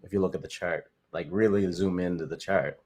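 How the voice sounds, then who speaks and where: A man's voice: sits low, fairly quick, a little mellow. A young Canadian man talking casually on a livestream, answering viewer comments in a rambling, upbeat way with lots of fillers and repeated phrases. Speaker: crypto livestream host.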